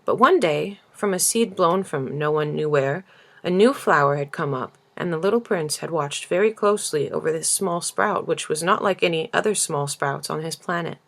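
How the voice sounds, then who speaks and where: A woman reading a literary story aloud as an audiobook narrator, in a gentle, measured and expressive manner. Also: low voice. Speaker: audiobook reader.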